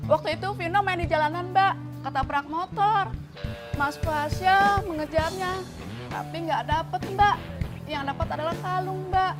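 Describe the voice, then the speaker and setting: A woman playing a soft-spoken young woman who tells a story slowly and haltingly, over a music score. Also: extremely high pitch. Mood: sorrowful. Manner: slow and halting.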